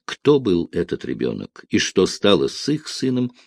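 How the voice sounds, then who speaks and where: A man narrating an adventure novel as an audiobook, dramatic and dropping to a hush at tense moments. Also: low voice, huge pitch swings, normal speed, creaky, no echo.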